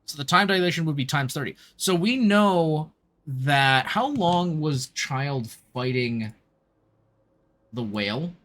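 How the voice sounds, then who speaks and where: Low-voiced, animated woman streamer. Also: slow. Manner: slangy, exclamatory, chatty. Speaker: VTuber game streamer. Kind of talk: casual live gameplay reactions and chat. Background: game music.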